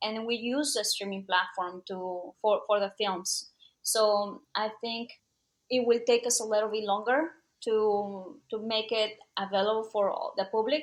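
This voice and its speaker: On a very clean recording with a silent background, a woman with a Spanish accent speaks at a fairly slow pace and a fairly high pitch, with ordinary pitch variation. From outside the US, Spanish-speaking country. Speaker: magazine founder and film producer. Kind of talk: interview. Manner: halting, with false starts.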